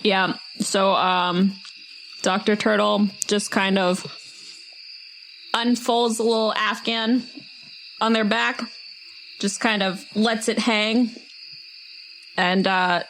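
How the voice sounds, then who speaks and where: A woman speaks at a very unhurried pace as she describes her tabletop game character. She is casual and makes it up as she goes, with faint noise and crickets in the background. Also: mid-range voice, fairly bright tone, poor audio.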